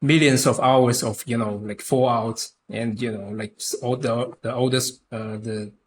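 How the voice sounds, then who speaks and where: A young man from Taiwan, a native Chinese speaker with a Taiwanese accent, chatting haltingly as a podcast guest with many restarts. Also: mid-range voice, fairly even intonation, a little hiss or hum. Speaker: podcast guest, concept artist. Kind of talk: casual interview chat.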